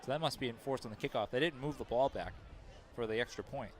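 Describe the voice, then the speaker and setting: A man provides color commentary for a local high school football game, speaking quickly in a chatty, analytical way and frequently starting his sentences over.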